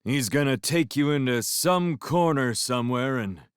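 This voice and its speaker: A man's voice: mid-range voice, animated, measured pace, smooth, no room sound, clean studio sound, pitched above the performer's own voice, natural voice. A man voicing a soaked, very drunk fisherman who scolds people with theatrical mock outrage. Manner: slurred, theatrical, shouting.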